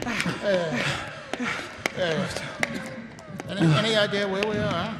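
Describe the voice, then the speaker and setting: A man's voice: sits high, slow, heavy background noise. A man playing a weary, sardonic middle-aged watch captain in live audio theatre, rambling and wry. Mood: excited, flustered. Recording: echoey live stage hall, music behind.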